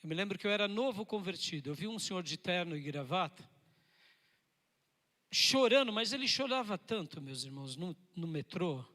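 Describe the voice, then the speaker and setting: A male pastor delivers a sermon in a high, bright voice. He swings between emphatic loud bursts and soft, intimate lines. The church hall gives his voice a long reverb. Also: animated, normal speed. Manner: emphatic preaching with sudden loud and soft turns.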